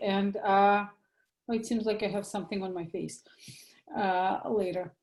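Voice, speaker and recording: In a Russian accent, a woman with a somewhat breathy, medium-pitched voice speaks at a fairly slow pace. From former Soviet Union. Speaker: physician and network marketing presenter. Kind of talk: sales presentation.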